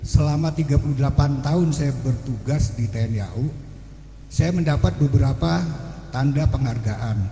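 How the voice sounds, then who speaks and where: A medium-pitched man at a moderate pace with ordinary pitch variation, with audible room echo and noticeable background noise. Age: 70s. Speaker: retired air force serviceman, local resident. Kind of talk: interview testimony.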